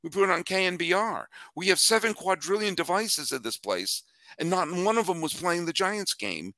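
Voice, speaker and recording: A man hosting a baseball podcast in casual chat, animated and repeating himself as he thinks. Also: sits high, normal speed, no room sound, clean studio sound. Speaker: podcast host.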